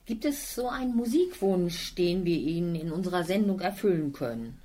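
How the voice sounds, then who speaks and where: A woman's voice: fairly low pitch, animated, moderate pace, dark tone. A woman hosting a local charity radio show, interviewing guests in a friendly, encouraging way.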